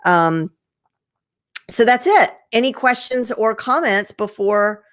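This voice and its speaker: A woman's voice: a little high, expressive, takes it slowly, fairly bright tone. A woman hosting an online show, chatting casually and enthusiastically in a rambling, conversational way to her viewers. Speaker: host of an online marketing show. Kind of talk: casual chat recap to a live online audience.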